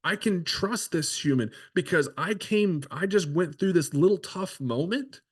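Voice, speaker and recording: Cast: a man voicing an earnest horse that has just calmed down and learned to trust its handler, speaking a little higher than his own voice. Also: unhurried, husky. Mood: relieved.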